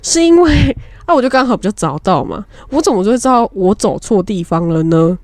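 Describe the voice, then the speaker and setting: A young woman with a Taiwanese Mandarin accent, a podcast co-host telling a frank dating story in casual, animated chat. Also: mid-range voice, brisk, dry recording.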